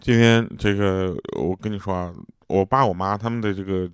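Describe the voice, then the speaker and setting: A man's voice: low-pitched, steady tone, moderate pace, clear, resonant tone, faint music behind. A man tells comic everyday anecdotes in a chatty way, laughing at his own jokes and putting on voices for the quoted people. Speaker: comic storyteller. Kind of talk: casual joke-telling monologue.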